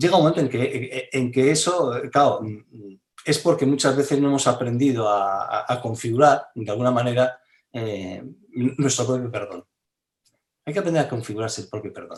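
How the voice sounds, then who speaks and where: The speech moves at a moderate pace with long, frequent pauses. Pitch varies in an ordinary way. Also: man, medium pitch for a man. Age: 60s. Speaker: author and speaker on language. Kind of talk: interview conversation. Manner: halting, many fillers.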